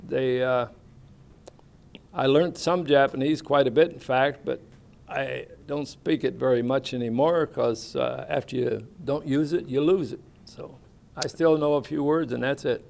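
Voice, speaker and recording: In a casual oral history recollection, an elderly American veteran speaks unhurriedly in a mid-range, steady, darkish voice with gravelly fry. He wanders through his service stories in folksy, plainspoken language, frequently stopping on "uh" and other fillers as he goes.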